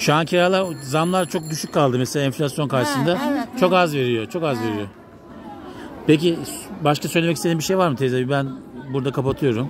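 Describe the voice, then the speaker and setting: Crowd noise fills the background as a man talks at a very fast pace. His pitch varies in an ordinary way, and the sound is dry with no echo. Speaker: local platform head and interviewer. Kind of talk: street interview questions. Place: garden.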